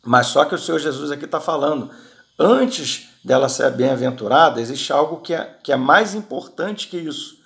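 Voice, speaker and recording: A man teaching from the Bible in a relaxed, conversational way, often checking in with his listeners and restarting his sentences. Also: a little high, moderate pace, gravelly. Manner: frequent tag questions and restarts. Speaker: preacher.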